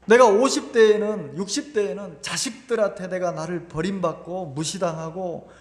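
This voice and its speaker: A pastor giving a Sunday sermon in a lively, conversational way, asking the congregation rhetorical questions and repeating his words often. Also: high voice, moderate pace. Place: church sanctuary. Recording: echoey church hall with long reverb.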